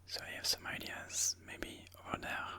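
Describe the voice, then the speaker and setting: Someone whispers breathily in ASMR fashion at a moderate pace, thinking out loud one move at a time while narrating their own chess game.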